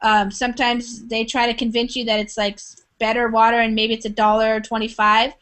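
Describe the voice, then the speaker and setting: A woman's voice: fairly high pitch, flat delivery, brisk, fairly bright tone. A woman leading an online English conversation class who asks many questions and keeps encouraging her students. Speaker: English teacher.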